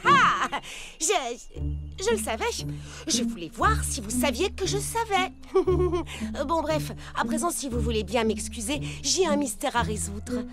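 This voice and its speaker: A woman voicing an excitable, self-important young girl detective in a dubbed children's cartoon, theatrical and pompous. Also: high voice, a little slow, over loud music. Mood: accusing, dramatic.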